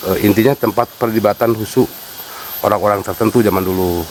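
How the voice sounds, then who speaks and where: Male site guide, Sundanese accent, low voice, patient and rambling; hissy outdoor recording. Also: fairly even intonation, a little mellow, poor audio. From West Java, Sundanese. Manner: unhurried, hesitant with fillers, explains at length. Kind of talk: casual explanatory interview. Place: outdoors at a wooded sacred site.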